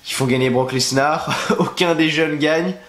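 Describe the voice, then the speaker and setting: A man's voice: on the high side, a little slow, background noise. Sick young male vlogger, congested, sarcastic and crude, recorded in a roomy space. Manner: crude, exasperated, sarcastic ranting. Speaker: wrestling review youtuber. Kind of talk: ranting video review. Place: at home, in a bedroom. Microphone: camera facing him.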